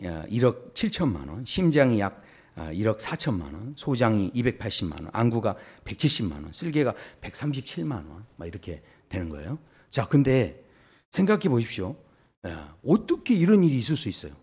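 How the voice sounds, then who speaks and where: A pastor delivers a Sunday sermon in a husky voice that rises and falls freely. He tells a story and slips into quick acted-out voices for its characters, leaning into each line. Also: mid-range voice. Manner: storytelling with lively acted-out voices for body parts.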